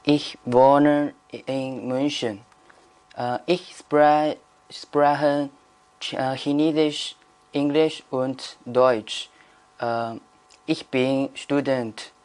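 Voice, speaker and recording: Young man from China, exam candidate; very slow, careful, clear-voiced. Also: mid-range voice, steady tone, a little mellow. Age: young adult. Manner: careful, halting. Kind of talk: spoken language exam answers. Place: indoor room. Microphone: lapel mic.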